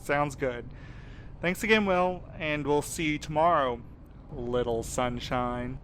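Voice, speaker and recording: Higher-voiced easygoing man. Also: takes it slowly, fairly bright tone, slight background noise. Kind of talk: audio drama dialogue.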